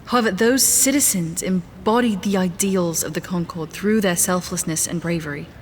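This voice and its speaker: A woman playing a composed, determined scientist in an audio drama, with formal, measured diction. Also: fairly low pitch, slight background noise, natural voice. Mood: guarded, solemn.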